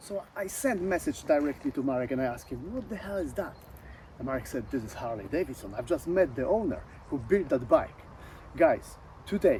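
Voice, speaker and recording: Speaking at a fairly quick pace, a man with a Polish accent uses lively intonation and a fairly high pitch, with vocal fry. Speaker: motorcycle channel host. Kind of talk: video intro and interview.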